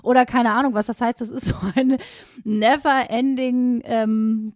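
A woman talks in a relaxed, conversational way on a podcast, stringing examples together. Her voice is fairly high. The sound is dry and close. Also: a little slow, no room sound. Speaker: podcast co-host. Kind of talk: casual podcast chat.

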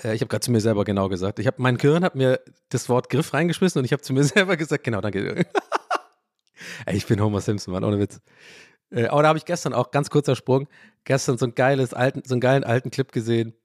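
A man hosting a casual solo podcast, talking in a rambling, animated way, restarting his sentences and often breaking into laughter. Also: mid-range voice, quick pace, no room sound, studio quality. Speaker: podcast host.

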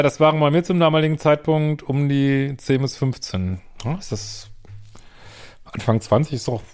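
A man's voice: medium pitch, a little mellow, clear, resonant tone. Man, host, blunt, swearing, commenting on a viewer's letter, questioning tags at sentence ends.

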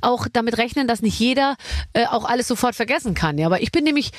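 A woman's voice: fairly high pitch, expressive, fast, a little hiss or hum. A woman hosting a casual chat, playful and joking with her guest. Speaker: host.

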